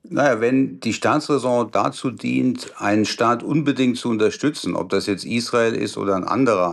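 A man, a law professor, answering interview questions in a deliberate, explanatory way with some hesitations. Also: fairly low pitch, a bit bright.

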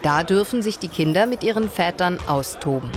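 A woman reporter narrating a television news feature in a calm, descriptive voice-over. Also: lowish voice, moderate pace, over music.

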